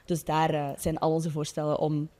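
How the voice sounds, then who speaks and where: A young adult woman with a Flemish Belgian accent giving an earnest, explanatory debate statement with hesitant pauses. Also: sits low, monotone, dark tone. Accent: Flemish Belgian Dutch. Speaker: political youth-wing leader, debate panelist. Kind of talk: debate statement, semi-formal.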